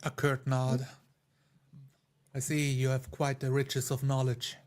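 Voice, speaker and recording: Flat, monotone male roleplayer. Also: medium pitch, slow pace. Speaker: tabletop game player. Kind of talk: in-character action description in first person.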